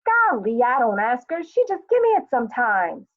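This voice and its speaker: A woman's voice: on the high side, lively intonation, moderate pace, phone-quality sound, pitched above the performer's own voice. Woman doing a sulky, pleading young schoolboy. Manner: pleading, grumbling. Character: sulky, stubborn young schoolboy son, Travis.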